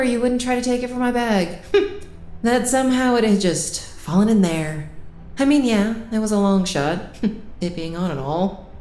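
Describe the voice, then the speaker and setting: An actress with an American accent playing a fierce, wounded young woman with a sarcastic, emphatic way of talking in an audio drama. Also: darkish tone. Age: young adult. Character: fierce, wounded young woman lawyer scolding old friend. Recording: roomy sound with faint rumble.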